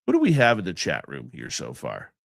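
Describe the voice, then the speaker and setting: A man's voice: low voice, wildly swooping pitch, a little fast, creaky, dry recording. Sleepy stuffed-up guy hosting a live radio stream, chatty and rambling, voice bouncing all over, dry sound. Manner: rambling, chatty, affectionate with viewers. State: congested, stuffy nose; sleepy, just woken up. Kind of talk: casual live show chat, reading out chat names.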